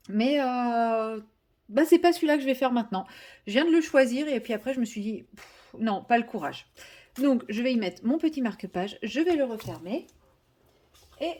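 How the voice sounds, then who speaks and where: A woman's voice: fairly high pitch, darkish tone. A woman chatting casually to viewers while she colours, rambling and correcting herself as she goes. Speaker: vlogger.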